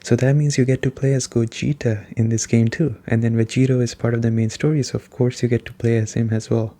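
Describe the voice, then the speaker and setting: A man giving a soft-spoken, casual ASMR-style video game review in a conversational way. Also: mid-range voice, level tone, a little fast.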